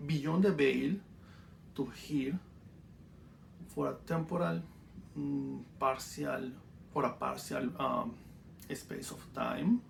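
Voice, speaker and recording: Venezuelan guy, spanish accent, super gravelly voice, stumbles thru english w lots of uhs, kinda dry jokes. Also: fairly high pitch, a little hiss or hum. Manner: halting, many fillers and restarts, dry humor; broken English grammar. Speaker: spiritual teacher. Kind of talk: casual teaching monologue.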